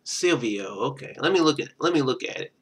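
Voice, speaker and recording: A man's voice: on the high side, lively intonation, a little fast, husky. A man streaming a game, reading its narration aloud and breaking off into rambling, chatty casual commentary. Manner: rambling, chatty asides between read passages.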